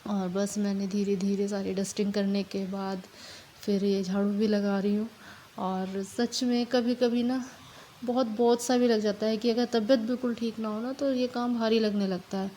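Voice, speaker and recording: Young woman, hoarse and run-down, flat dark delivery, faint room hiss, homey vlog talk. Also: mid-range voice. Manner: tired, halting, apologizing for her voice. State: hoarse from a sore throat and fever. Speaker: family vlogger. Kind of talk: casual vlog narration while doing housework.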